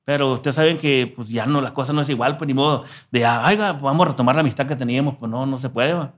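A man's voice: mid-range voice, fast. A man from telling a story in a casual interview, slangy and profane. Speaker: musician guest.

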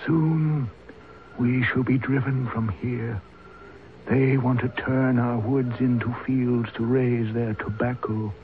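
An actor playing a solemn, fatalistic old uncle, a tribal elder who speaks slowly and formally in a radio drama. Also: male voice, medium pitch, steady tone. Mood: solemn foreboding. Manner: slow, measured, formal speech. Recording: tinny, hissy old radio broadcast.

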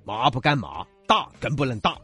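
A man with a Sichuanese accent doing comic cross-talk, telling stories in an animated, bantering way. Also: medium pitch, normal speed, breathy edge, faint music behind. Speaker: comedy duo performer.

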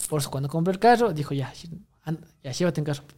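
A man's voice: fairly high pitch, animated, quick pace, crowd noise. A young man, rambling through a story in casual chat, full of restarts and fillers. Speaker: guest telling a story.

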